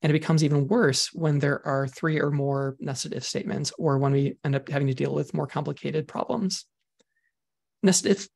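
A man presenting a programming webinar over slides, talking in a measured way with frequent ums while he is losing his voice. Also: a little high, gravelly, a little mellow. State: losing his voice, clearing throat.

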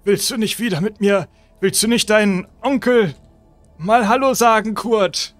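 Man doing a hoarse, coaxing zombie uncle. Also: sits high, a bit bright, no echo, faint music behind. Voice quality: hoarse, strained voice. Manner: pleading, repeats the name, halting restarts. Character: undead zombie uncle, decayed, coaxing and weary.

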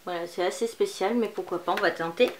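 A woman's voice: medium pitch, quick pace, slight background noise. A woman presenting manga in a casual unboxing vlog, chatty and rambling, with many fillers. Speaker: manga YouTuber.

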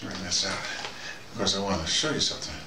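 A middle-aged American man with a low voice hosts a casual video dispatch, heard in an echoey room some way from the mic with clear background noise. He rambles in a halting way, repeating words and wandering off on digressions. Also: far from the mic. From North America. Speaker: host of a personal video dispatch. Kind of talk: rambling casual monologue to camera.

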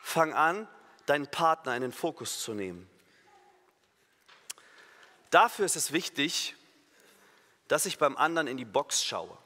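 A pastor giving a sermon, emphatic and lively, acting out imagined inner voices and now and then correcting himself mid-sentence. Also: male voice, fairly high pitch, unhurried, pauses often. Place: church hall. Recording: long reverb of a church hall.

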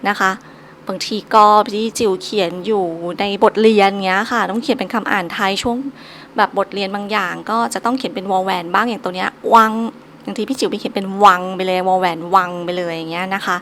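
A woman's voice: mid-range voice, steady tone, fast, sharp tone, slight background noise. A woman teaching a solo recorded language lesson, patiently drilling each syllable three times over.

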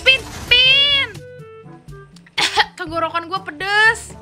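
A young woman giving excitable casual commentary while playing a mobile game at home, swearing and talking to herself and her viewers. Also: very high voice, drawn-out words, music in the background.

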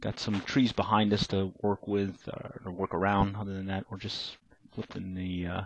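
A man's voice: deep voice, level tone, normal speed, slightly rough, dry recording, low-quality recording. A middle-aged man, narrating his fishing trip in a laid-back, plain-spoken way with lots of uh fillers. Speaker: fishing vlogger. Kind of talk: casual voice-over narration.

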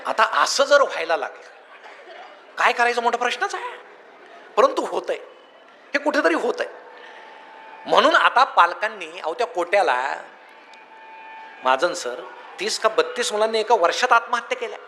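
High bright-voiced man telling jokes. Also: big pitch swings, normal speed, long pauses, slight background noise. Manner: jokey storyteller, folksy anecdotes. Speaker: public speaker. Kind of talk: humorous motivational speech. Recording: echoey hall.

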